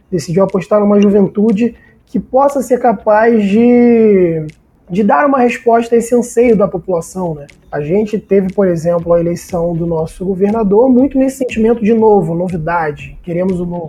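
A man's high-pitched voice, dark and mellow in tone, with ordinary pitch variation and a moderate pace. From Rio de Janeiro, Cidade de Deus (West Zone). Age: 20s. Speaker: municipal youth secretary. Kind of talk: interview.

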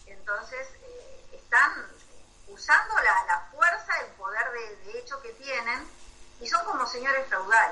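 Over noticeable background noise, a woman with a high pitch talks fairly slowly with lively intonation. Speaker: radio co-host. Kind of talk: casual chat.

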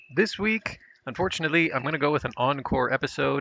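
This is a man with a normal speaking voice. He talks at a fairly quick pace with lively intonation. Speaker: podcast host and scout leader. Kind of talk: spoken introduction.

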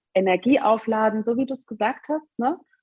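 A woman talks at a moderate pace in a medium pitch. Her voice is somewhat breathy. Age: 40s. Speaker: life coach. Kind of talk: interview.

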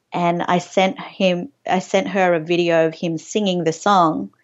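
With an Australian accent, a woman speaks at a fairly low pitch with fairly even intonation. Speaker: singer and singing teacher. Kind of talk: casual interview. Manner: hesitant, frequent fillers and laughter.

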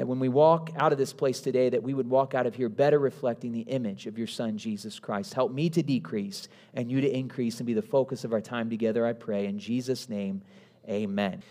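A man with a dark, mellow tone speaks at a fairly quick pace and medium pitch, with ordinary pitch variation. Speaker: pastor. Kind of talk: sermon. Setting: church. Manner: fast.

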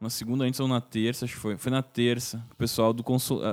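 A man with a normal speaking voice talks fairly quickly, his medium pitch showing ordinary pitch variation. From Rio Grande do Sul interior, Brazil. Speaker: musician. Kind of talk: casual chat.

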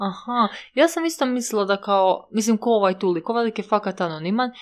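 The voice rushes along at a very fast pace with lively intonation. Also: woman. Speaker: podcast co-host. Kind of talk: casual chat.

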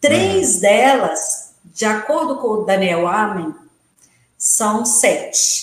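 With music in the background, a woman speaks very slowly at a fairly high pitch with lively intonation. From Minas Gerais interior, Brazil. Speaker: psychologist. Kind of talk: interview conversation. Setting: online live stream.

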